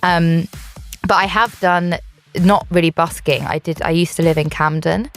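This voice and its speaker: Low-voiced young woman, candid and chatty. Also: steady tone, moderate pace, soft background music. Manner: candid, chatty, laughs easily. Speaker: singer guest. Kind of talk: radio interview chat. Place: radio studio.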